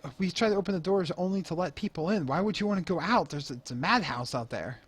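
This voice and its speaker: A man voicing a flustered male arcanist in a mage guild, speaking in a hurried, exasperated way. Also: sits high, expressive, breathy edge, no echo, voice pushed up.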